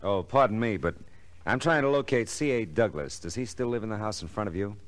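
A man's voice: on the low side, animated, fairly quick, close to an everyday voice. An actor playing a hard-boiled, wisecracking private eye in old radio detective drama, wry and laconic as he narrates and needles people. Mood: cool, needling. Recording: old radio recording with music underscore.

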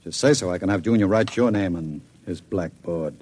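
An actor playing a smooth, scheming gangster who talks in a suave, menacing drawl, in a vintage radio drama. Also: male voice, deep voice, moderate pace, darkish tone, dry recording. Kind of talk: 1940s radio acting.

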